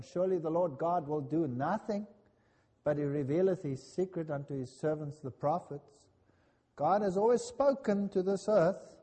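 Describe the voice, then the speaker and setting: A man preaching a sermon lecture, emphatic and deliberate, with scripture readings and rhetorical questions. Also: high-pitched, mellow. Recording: long reverb of a large hall.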